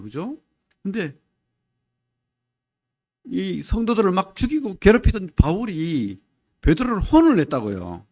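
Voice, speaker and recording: A man's voice: a little high, darkish tone. A male pastor, preaching a Sunday sermon in a conversational way and often checking with the congregation by asking "right?". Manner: acts out voices of people in his stories.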